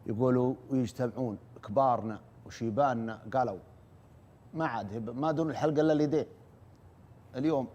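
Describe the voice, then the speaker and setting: A man retelling a war story as an oral storyteller, brisk and earnest, repeating "he says" as he goes. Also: medium pitch, a little mellow, muffled recording.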